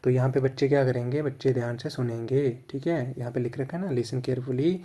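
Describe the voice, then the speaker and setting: A man's voice: medium pitch, fairly even intonation, a little fast, dark tone. A man with an Indian accent explains a lesson plan in casual instructional Hindi mixed with English, often checking "theek hai".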